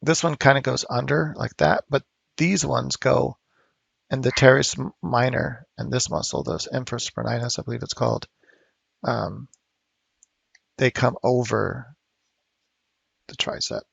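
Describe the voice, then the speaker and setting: Here the man sculpts digitally at home and teaches as he goes, casual and thinking out loud with fillers. He speaks at a measured pace with long pauses, his medium-pitched voice creaky and husky, on a dry recording with the highs cut off.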